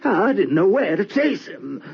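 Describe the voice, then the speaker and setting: An actor playing a guilt-ridden, tormented husband confessing to murder in an old-time radio horror drama, halting and repeating his words. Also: sits high, very animated, gravelly, breathy edge, heavily acted. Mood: fearful, jealous. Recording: noisy, dull old radio recording.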